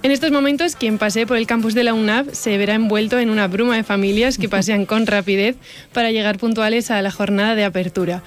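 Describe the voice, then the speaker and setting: A young adult woman presenting a scripted radio news report, reading briskly and brightly. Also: mid-range voice, fairly even intonation, faint music behind.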